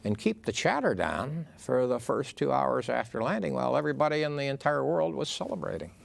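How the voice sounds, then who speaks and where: Very gravelly older man. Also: medium pitch, expressive, fairly quick. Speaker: former mission controller. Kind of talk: documentary interview recollection.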